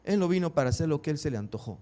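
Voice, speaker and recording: A man's voice: a little high, animated, racing, mellow. A man pastor preaching a sermon in a church, asking the congregation rhetorical questions.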